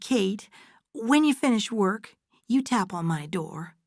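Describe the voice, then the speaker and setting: A woman reading aloud, voicing a fond, motherly older woman who speaks high and emphatically. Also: lively intonation, slow pace, darkish tone, dry recording, clean studio sound. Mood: gushing.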